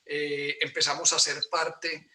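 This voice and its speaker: Colombian man, Antioquian accent, forties, webinar host, bright tone, slightly high voice, polite, frequent fillers, video call. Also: little pitch movement, slow pace. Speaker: host and real estate broker. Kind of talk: online webinar presentation.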